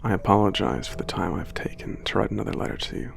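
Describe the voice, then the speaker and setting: A man playing an old, gentle, reflective giant, speaking in a measured, formal way as in an ASMR letter home. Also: sits low, lively intonation, gravelly, a little hiss or hum, full character voice. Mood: wistful, measured. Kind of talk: ASMR letter narration and roleplay.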